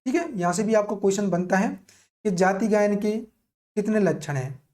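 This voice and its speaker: Male Indian music tutor, soft dark tone, instructive, drills quiz answers by asking and repeating. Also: high voice, lively intonation, moderate pace. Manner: didactic, repeats key points as questions and answers. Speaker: music teacher. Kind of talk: exam-prep lesson, explaining quiz questions.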